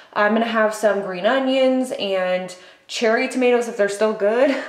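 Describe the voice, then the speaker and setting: A woman talks at a moderate pace with ordinary pitch variation. Room echo is audible. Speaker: home cooking vlogger. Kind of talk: casual cooking tutorial. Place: kitchen. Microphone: camera far.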